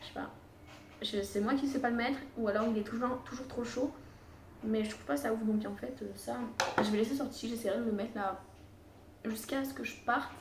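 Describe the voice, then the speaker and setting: A young woman chatting casually while she packs, wandering from one thought to the next and filling pauses with "euh". Her voice sits a little away from the microphone in an echoey room at home. A faint room hum stays underneath. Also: a little high, fairly even intonation, distant mic. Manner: chatty, rambling with many fillers. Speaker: beauty vlogger. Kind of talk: casual chat.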